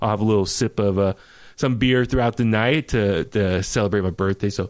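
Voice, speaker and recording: The talking is somewhat quick, with normal variation in pitch. Background is silent on this very clean recording. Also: man. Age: 30s. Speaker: wrestling podcast host. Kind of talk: casual chat. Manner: animated.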